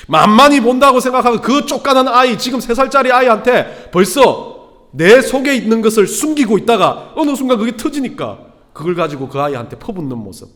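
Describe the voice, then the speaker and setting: Animated high-voiced man preaching in a hall. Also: brisk. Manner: storytelling with self-deprecating humor, rising to emphatic exclamations. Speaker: pastor. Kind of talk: sermon. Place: church sanctuary. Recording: long church hall reverb.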